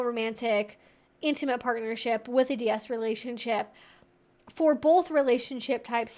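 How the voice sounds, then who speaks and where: A woman hosting a live Q&A, talking casually and explaining things in a conversational, animated way, often acting out imagined thoughts. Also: sits high. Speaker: host of a weekly live Q&A stream. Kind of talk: casual educational chat, answering viewers.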